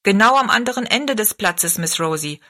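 A polite, helpful young fellow at a travelling fair, read by a woman, a bit higher and livelier than plain narration. The voice is bright and forceful. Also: lively intonation, moderate pace. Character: helpful, polite male fairground servant.

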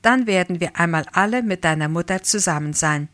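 A woman reading the lines of a weak, dying old father who gently pleads with his daughter. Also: on the low side, fairly quick, no room sound, lightly acted. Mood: pleading.

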